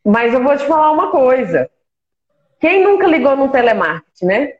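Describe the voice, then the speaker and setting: A woman's voice: sits high, very animated, moderate pace, lo-fi sound. Chatty Brazilian woman on an echoey call. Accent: Brazilian Portuguese. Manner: enthusiastic, chatty. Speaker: interviewer host. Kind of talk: casual interview chat.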